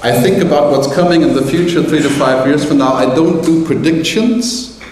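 A man's voice: a little high, normal speed, slight background noise. Middle-aged man, keynote speaker, wry asides, heard from far off in a very echoey hall. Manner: animated, gesturing, joking asides. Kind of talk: conference keynote. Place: large conference hall. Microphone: headset mic.

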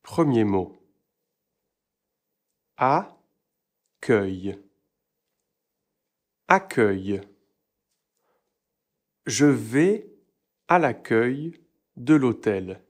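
A man teaching French pronunciation at a very slow pace, his voice neither high nor low. He stretches out and repeats each word with care so learners can follow. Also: animated, a little mellow. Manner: slow, deliberate, over-articulates words for learners. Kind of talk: pronunciation lesson.

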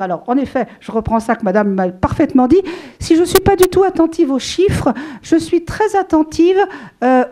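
High-voiced woman with a handheld mic. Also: a little mellow. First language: French. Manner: rambling, many fillers and restarts, light laughs. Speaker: author at a book event. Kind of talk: casual spoken talk to an audience. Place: small room with a seated audience.

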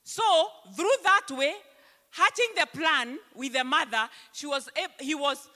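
A Kenyan woman pastor preaching a sermon into a handheld mic on a church stage, emphatic and slowing down to read scripture aloud. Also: high voice, lively intonation, pushed and bright. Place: church stage, large hall. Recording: long church hall reverb.

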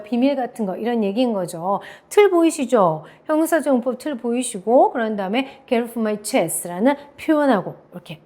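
A middle-aged woman teaching English, who says example phrases slowly and keeps checking in with her listeners. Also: fairly high pitch. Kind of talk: classroom lecture.

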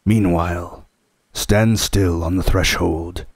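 A man voicing a grim grey wolf, a menacing secret police chief giving slow commands in a storybook. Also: low-pitched, fairly even intonation, slightly rough, no room sound, clean studio sound, full character voice. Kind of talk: storybook character voice.

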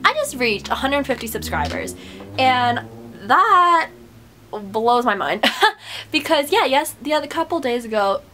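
A young woman with a slightly high voice talks close to her webcam in a small bedroom, sounding a little stuffed up after a run. She rambles along in a bubbly, encouraging way. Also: very animated, unhurried, sharp tone, a little hiss or hum. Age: young adult. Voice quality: stuffy nose. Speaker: vlogger. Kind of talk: casual motivational chat to camera.

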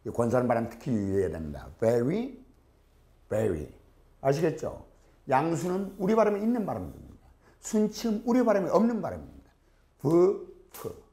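A man's voice: on the high side, huge pitch swings, quick pace, mellow. Korean man teaching English sounds. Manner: demonstrates sounds by repeating words in pairs; asks the listener checking questions. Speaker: language teacher. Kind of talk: lecture.

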